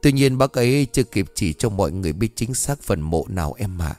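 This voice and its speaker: A man reading a story and voicing a thoughtful woman who speaks in a measured, cautious way. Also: lowish voice, expressive, darkish tone, faint music behind, lightly acted.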